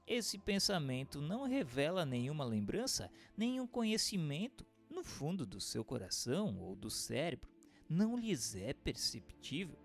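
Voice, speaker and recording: A Brazilian man delivers formal, scripted narration as if for an audiobook. His intonation swings widely, lifting and falling with deliberate, declamatory phrasing. There is a noticeable fry in his voice, and faint music plays behind him. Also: mid-range voice. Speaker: narrator reading a book aloud.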